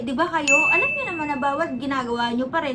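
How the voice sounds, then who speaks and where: A woman projects a raised voice with a bright, sharp tone at a fairly quick pace. Audible room echo follows her words. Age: 30s. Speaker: vlogger and livestream agency manager. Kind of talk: vlog tutorial. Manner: animated.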